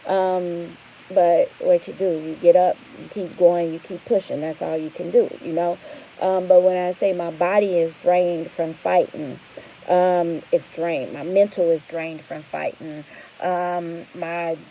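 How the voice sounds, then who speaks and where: A woman's voice: on the low side, fairly even intonation, a little slow, muffled recording, a little hiss or hum. Weary woman venting to her viewers. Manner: candid, weary, rambling with many fillers. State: tired. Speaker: trucking business owner. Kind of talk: casual vlog to viewers.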